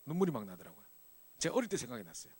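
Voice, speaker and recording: A middle-aged man preaching to a church youth group, telling a personal story in a lively, animated way. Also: medium pitch, rapid-fire, breathy edge. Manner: animated storytelling, acts out scenes. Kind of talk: sermon with personal testimony.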